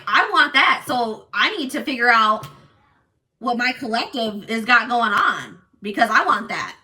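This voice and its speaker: A woman with a strong, loud voice giving a casual tarot reading to viewers in an assertive, emphatic, repetitive manner. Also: a little high, distant mic, low-quality recording. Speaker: tarot reader and channel host.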